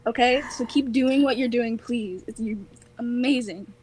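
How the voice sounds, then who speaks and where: A high-pitched woman pours out emphatic, slangy praise over a video call, piling up fillers as she talks. Her delivery is casual and insistent. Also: normal speed, a little mellow, husky, low-quality recording. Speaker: stranger on video chat. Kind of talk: casual chat. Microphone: computer mic on a video call.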